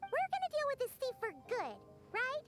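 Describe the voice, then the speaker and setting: A woman voicing a small, childlike, excitable and fussy female companion in a video game. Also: extremely high pitch, moderate pace, music in the background. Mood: eager. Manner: refers to self in third person, exclaiming.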